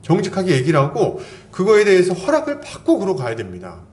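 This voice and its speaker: Male pastor preaching an earnest, admonishing sermon with a fairly high, lively voice, recorded in a roomy church hall. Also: quick pace. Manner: earnest, admonishing, acts out quoted lines. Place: church sanctuary.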